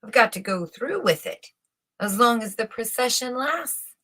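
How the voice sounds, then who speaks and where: A woman's voice: a little high, expressive, measured pace, sharp tone, voice pushed up, heavily acted. A woman voicing a vain, self-conscious storybook emperor with a pompous manner. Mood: stubborn resolve.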